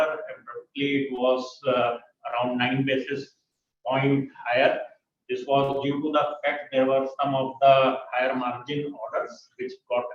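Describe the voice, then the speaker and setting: A man answering as a finance executive on an earnings call in a measured, matter-of-fact way. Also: medium pitch. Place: conference call. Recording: muffled, distant, echoey conference call.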